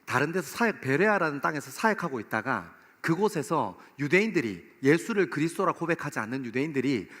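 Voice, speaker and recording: High-voiced, animated male preacher in a reverberant hall. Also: fast talker, hardly any pauses. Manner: impassioned, addresses listeners directly with rhetorical questions. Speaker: pastor preaching to a young adult congregation. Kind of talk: sermon. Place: church worship hall, live service. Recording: long hall reverb of a worship room.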